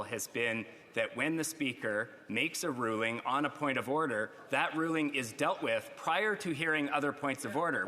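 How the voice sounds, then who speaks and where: A man with a Canadian accent, a member of parliament, making a measured procedural argument. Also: mid-range voice, pushed and bright. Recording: reverberant chamber hall.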